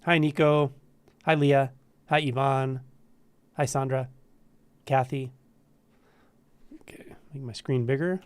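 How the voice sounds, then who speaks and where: A man with a cold and a stuffy voice, hosting a casual live Q&A stream, greeting viewers in a relaxed, friendly way with frequent ums. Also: medium pitch, no room sound. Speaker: spiritual teacher hosting a live Q&A. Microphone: camera livestream setup.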